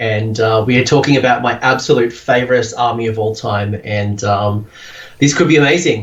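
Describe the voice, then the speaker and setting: An Australian accent from a medium-pitched man, at a moderate pace with fairly even intonation, against noticeable background noise. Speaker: wargaming youtuber and coach. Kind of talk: casual chat. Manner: hesitant, many fillers and repeats.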